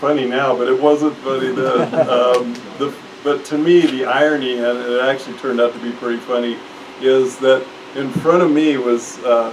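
A man's flat, monotone delivery at a moderate pace over noticeable background noise. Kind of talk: talk. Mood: amused, storytelling. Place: shop. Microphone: handheld.

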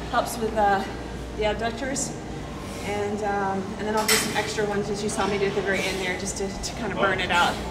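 Loud background noise sits behind a woman with an American accent. She talks at a fairly quick pace. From Texas. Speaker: bikini fitness competitor. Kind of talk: exercise demonstration. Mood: friendly, relaxed. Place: gym. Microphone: phone near.

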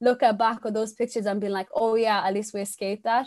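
With an Irish accent, a woman talks at a fairly high pitch in a monotone, flat intonation. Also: quiet background. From Kenya, raised in Ireland. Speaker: PhD student and researcher. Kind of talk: casual interview chat. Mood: earnest, thoughtful. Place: home room. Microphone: video call.

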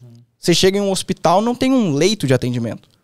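Against a quiet background, a man with a high pitch speaks using lively intonation. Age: 20s. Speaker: lawyer and law lecturer; lawyer, law lecturer. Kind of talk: casual interview. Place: studio. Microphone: studio mic.

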